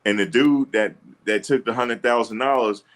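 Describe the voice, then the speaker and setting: A man with a deep voice hosting a livestream, reading and answering chat comments in a blunt, assertive, combative way. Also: normal speed. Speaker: livestream host. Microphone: streaming setup.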